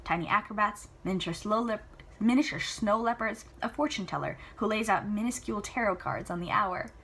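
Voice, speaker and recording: Bright, husky-voiced woman reading aloud. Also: medium pitch, a little fast. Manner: enthusiastic, chatty, openly reacting to the text. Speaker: amateur book reader. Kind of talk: reading a novel aloud with casual asides.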